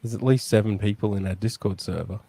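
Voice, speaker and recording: Low-voiced teasing podcast co-host. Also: male voice, steady tone, fast talker, vocal fry, dark tone, breathy edge, dry recording. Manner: dry teasing, hesitant restarts. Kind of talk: casual comedy chat.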